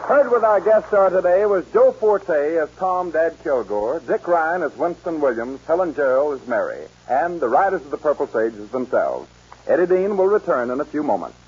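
A man's voice: on the high side, big pitch swings, normal speed, breathy edge. A man hosting a western show in the scripted style of an old-time radio announcer. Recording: dull vintage radio recording, music behind. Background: loud music.

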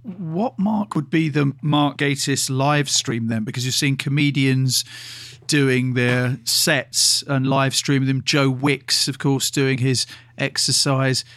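A man's voice: mid-range voice, steady tone, slow pace, fairly bright tone. A man speaking as a podcast host, introducing and interviewing a guest from a room at home.

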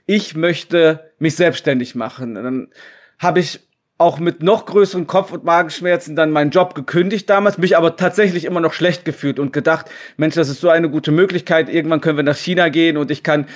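A man's voice: fairly high pitch, brisk. A man in his thirties, a guest talking casually at home over a video call, hesitant with many restarts. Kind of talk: casual remote interview.

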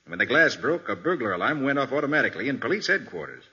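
An actor in 1940s radio style playing a confident, quick-witted private detective, assured as he explains. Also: mid-range voice, big pitch swings, sharp tone, husky, full character voice. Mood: triumphant. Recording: dull old radio recording.

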